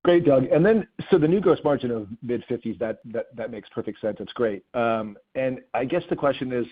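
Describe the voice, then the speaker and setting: A man asking questions as an analyst on an earnings call, talking conversationally in halting, restarted phrases. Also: mid-range voice, breathy edge. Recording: tinny phone line.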